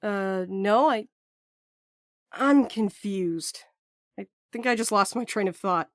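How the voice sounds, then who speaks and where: A woman's voice: medium pitch, slow, dry recording, studio quality, lightly acted. A woman playing a blunt, impatient night courier in an audio drama, naturalistic and wry. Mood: wry, puzzled.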